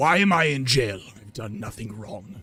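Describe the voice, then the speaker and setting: A man growls at a medium pitch in a put-on character voice, keeping a moderate pace. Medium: game stream. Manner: cocky, defiant.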